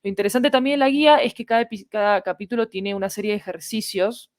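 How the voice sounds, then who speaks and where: A woman who produces fiction audio talks fast in a mid-range voice as a podcast guest, explaining things conversationally and discursively while often checking in with short tag questions. The studio-quality recording has no echo.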